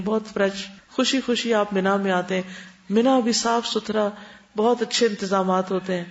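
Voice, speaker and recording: A woman giving a religious lecture as an Islamic teacher, explaining step by step and checking that listeners follow with quick questions. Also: medium pitch. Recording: dull lo-fi recording.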